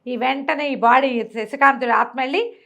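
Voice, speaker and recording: A woman's voice: sits high, normal speed. Telugu woman telling a folk tale. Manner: animated explaining, acts out dialogue in own voice. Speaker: storyteller. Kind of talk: conversational oral storytelling of a folk tale.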